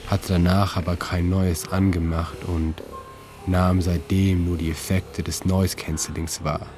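A man reading his own literary narration in a calm, measured way, with slow deliberate pauses. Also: deep voice. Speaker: narrator and author. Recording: narration over music.

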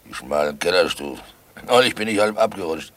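An actor playing a guilt-ridden, wily village innkeeper, nervous and falsely jovial, in a radio play, with a gravelly, husky voice. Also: male voice, deep voice, animated, brisk, fairly bright tone. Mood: forced joviality. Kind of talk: German radio play acting.

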